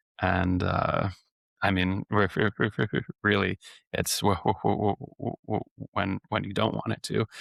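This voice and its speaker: A man talks at a very slow pace in a fairly low pitch, with vocal fry. His intonation stays fairly even, and the sound is dry and close with no echo. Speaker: speech therapist. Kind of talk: interview answer. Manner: stutters, with frequent repetitions.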